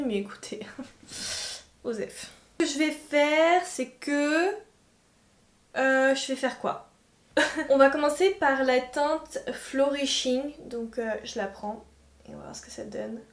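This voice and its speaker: Chatty woman in an echoey room. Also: a little high. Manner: slangy, animated, laughs often. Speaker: beauty vlogger. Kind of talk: casual makeup review chat.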